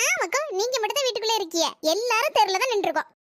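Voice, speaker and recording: A woman's voice: very high-pitched, expressive, racing, very noisy. A woman voicing a scheming neighbor who spreads gossip, in a cartoon comedy. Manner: breathless storytelling gossip.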